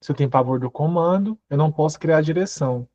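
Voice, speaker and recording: A man gives a motivational talk on personal growth in a fairly high voice. He keeps firing rhetorical questions at his listeners. The recording sounds muffled and dull. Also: fast talker, dark tone, dry recording.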